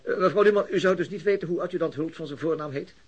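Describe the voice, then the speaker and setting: An actor playing a persistent, courteous police detective in a radio drama, probing with questions and hesitant hums. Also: male voice, fairly high pitch, fast, breathy edge, dull audio. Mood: insistent, polite. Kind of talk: naturalistic radio drama acting.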